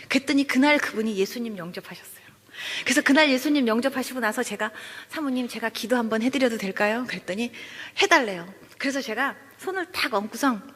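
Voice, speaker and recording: Breathy high-voiced woman preaching testimony. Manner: animated storytelling, acting out quoted voices. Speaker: pastor giving testimony. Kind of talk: sermon testimony. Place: church sanctuary. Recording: church hall reverb.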